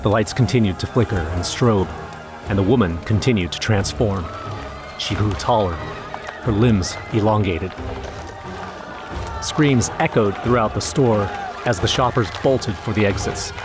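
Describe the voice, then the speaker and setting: Actor as male horror narrator, lower pitch, grim, shaken, scripted first-person storytelling, music bed underneath. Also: a little slow, long pauses, crowd noise, natural voice.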